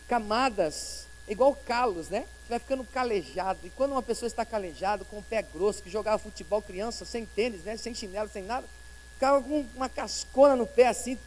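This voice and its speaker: Very high-voiced Brazilian male preacher. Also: a little hiss or hum. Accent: Brazilian Portuguese. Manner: impassioned, swinging between soft and loud. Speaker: guest pastor. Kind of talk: sermon. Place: church sanctuary. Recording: long church-hall reverb.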